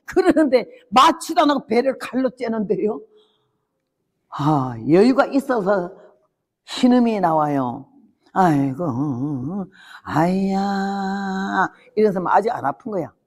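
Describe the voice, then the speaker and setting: A woman's voice: medium pitch, sing-song, a little slow, a little mellow, slightly rough. An older woman missionary telling her testimony as a sermon, with vivid, dramatic storytelling. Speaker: missionary preacher. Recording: long hall reverb.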